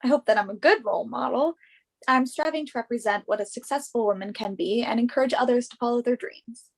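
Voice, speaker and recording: A woman's voice: fairly high pitch, fairly quick. A woman acting in a play reading as a confident, earnest young fashion model who speaks up for herself. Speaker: actor in a virtual staged reading.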